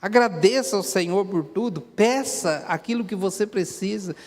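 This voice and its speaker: Man, Brazilian Portuguese accent, pastor preaching, high voice, earnest and conversational, long church reverb. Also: moderate pace, a little mellow. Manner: earnest, conversational preaching with direct questions to the congregation. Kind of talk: sermon. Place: church sanctuary.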